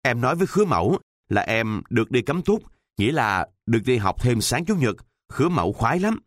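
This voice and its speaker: A man's voice: medium pitch, very animated, a little fast, no echo, studio quality. A man voicing a naive, eager teenage schoolboy who asks a lot of questions, in a storybook reading. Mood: curious.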